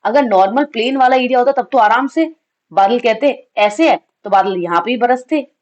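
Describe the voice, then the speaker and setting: A woman's voice: a little high, moderate pace, a little mellow, dull audio. A woman teaching an exam revision lesson with a slightly sore throat, asking questions and answering them herself and mixing in English phrases. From India. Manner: addresses students as kids.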